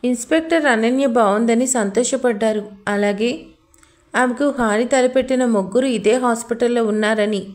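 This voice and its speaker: A woman's voice: on the high side, moderate pace, a little mellow. A woman narrating a romantic audio story in a scripted, dramatic, emotional way.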